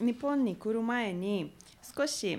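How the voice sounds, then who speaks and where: A woman's fairly high voice at a very slow pace, with ordinary pitch variation, in a very clean recording over a silent background. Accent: Romanian. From Romania. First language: Romanian (speaking Japanese). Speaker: graduate student. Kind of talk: speech contest speech. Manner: formal.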